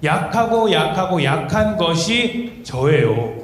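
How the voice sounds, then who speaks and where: A man's voice: a little high, very animated, slow. A man doing a whiny timid farmer, Gideon. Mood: complaining. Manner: whiny, protesting. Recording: echoey hall, faint noise.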